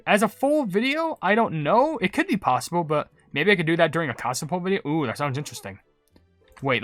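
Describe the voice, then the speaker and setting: Casual male game commentator, lighter-pitched, conversational, recorded dry over faint music. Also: no room sound. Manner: chatty, informal. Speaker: gaming video host. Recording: dry close mic, game music behind. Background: soft game music.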